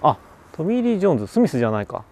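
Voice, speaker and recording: This cycling livestreamer, broadcasting outdoors beside a vending machine on a mountain road, talks casually and responds to viewers' comments during his bike trip. His slightly high voice is sing-song, racing, and darkish, and the action camera and webcam audio is poor.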